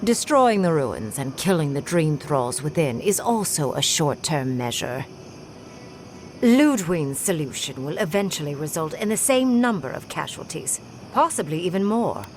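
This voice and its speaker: An actress playing a coolly rational scholar in a video game, speaking in a clinical, formal, measured way. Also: female voice, deep voice, big pitch swings, slight background noise. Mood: clinical, explaining. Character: coolly rational female scholar weighing lives pragmatically.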